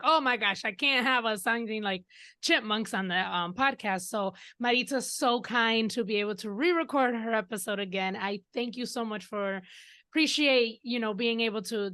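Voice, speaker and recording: A woman hosting a podcast interview over a video call on a headset microphone, chatty with quick asides. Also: mid-range voice, a bit bright, no echo, clean studio sound. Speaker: podcast host.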